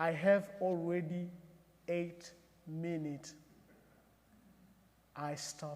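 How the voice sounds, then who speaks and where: A man with an African accent speaks at a very slow pace, with long, frequent pauses. His pitch is high, and his intonation is monotone and flat. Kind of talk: plain, simple English.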